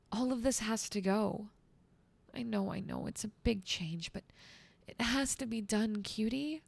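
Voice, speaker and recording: A woman's voice: mid-range voice, creaky, a little mellow, dry recording. A woman playing a motherly guardian angel girl in an ASMR roleplay, doting and coaxing with mild scolding.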